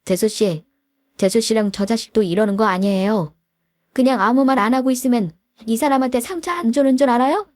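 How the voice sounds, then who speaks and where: A woman's voice: on the high side, fairly quick, a little mellow, no echo, studio quality, lightly acted. A woman voicing a blunt, firm husband. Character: upset husband, holding back anger.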